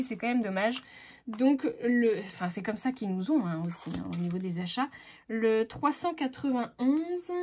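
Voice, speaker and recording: With a medium-pitched, darkish voice, a crafting vlogger sorts craft stamps while unboxing them, chatting casually to herself. She sounds hesitant and uses many fillers; a little hiss or hum runs underneath.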